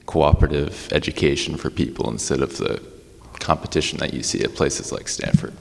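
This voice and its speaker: A man's voice: rumbling low, brisk, creaky. A young man, a student in the audience, asking a question at a public talk. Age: young adult. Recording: distant voice in echoey hall.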